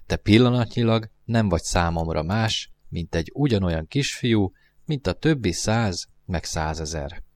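A deep, low, lonely fox speaks with earnest patience in a storybook reading, voiced by a man. He muses and pleads gently, and his low voice stays calm and wise.

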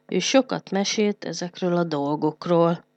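A woman narrating a children's storybook in a lively, expressive reading voice. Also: on the low side, no room sound.

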